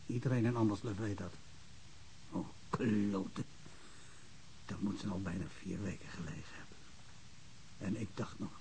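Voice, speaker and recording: A man's voice: fairly low pitch, fairly even intonation, measured pace, long pauses, mellow, low-quality recording. A small-town policeman in a radio drama. He is emotional and rambling, stumbling over and repeating his words. The recording carries a little noise. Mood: shaken, remorseful. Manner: stammering, repetitive, rambling.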